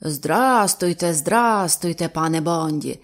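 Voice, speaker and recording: A woman voicing a stout old sea captain who speaks slowly, bluntly and jovially. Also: lowish voice. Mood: hearty.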